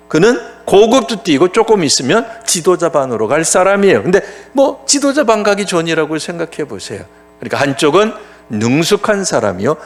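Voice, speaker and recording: A male pastor preaches in a church with a fairly high voice. His pitch rises and falls a great deal as he talks. He keeps the sermon conversational and answers his own rhetorical questions.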